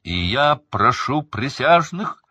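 A man voicing a stern, hateful middle-aged magistrate who shouts his sentence at the accused. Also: deep voice, animated, moderate pace, no echo, clean studio sound, heavily acted. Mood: shouting.

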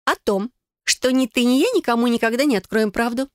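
A woman reader voicing a lively, scheming young cousin who is excitable and bossy in an audiobook. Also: on the high side, dry recording, studio quality, pitched above the performer's own voice, lightly acted. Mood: earnest. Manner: excitable, bossy, quick to scold. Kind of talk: audiobook character voice.

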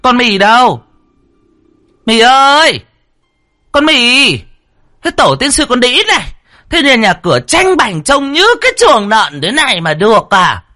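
A man voicing the shrill, furious first wife of a rural landlord, screeching and cursing at a servant. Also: very animated, unhurried, long pauses, bright, forceful tone, full character voice. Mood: screaming.

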